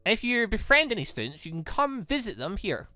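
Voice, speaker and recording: A man's voice: high voice, big pitch swings, brisk, pushed and bright, no room sound, clean studio sound, faint music behind, voice pushed up, exaggerated voice. A man voicing a playful, cheeky young female student tour guide in a visual novel. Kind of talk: visual novel dialogue read aloud.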